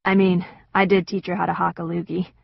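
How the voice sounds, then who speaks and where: A woman's voice: fairly low pitch, level tone, brisk, vocal fry, slightly rough, no room sound, muffled recording, full character voice. A woman voicing a friendly, easygoing teenage boy with a breezy manner.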